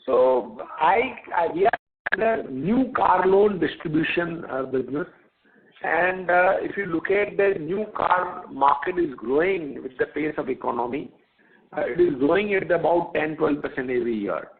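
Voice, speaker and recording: An Indian man speaking as a company executive, giving unscripted answers to analysts in a halting way, often repeating words. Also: on the high side, expressive. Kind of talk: unscripted earnings call answers. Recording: narrow, tinny phone line.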